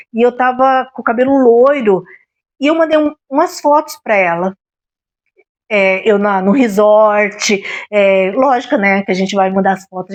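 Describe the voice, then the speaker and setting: A middle-aged Brazilian woman telling a personal story on her vlog in a confiding way, often checking in with her listeners. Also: fairly high pitch. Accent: Brazilian Portuguese. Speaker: vlogger.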